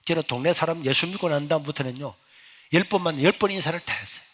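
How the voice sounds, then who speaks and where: Animated Gyeongsang preacher in a hall. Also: male voice, a little high, fast. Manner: animated, storytelling. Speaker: pastor. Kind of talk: storytelling sermon. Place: church sanctuary. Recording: echoey church hall.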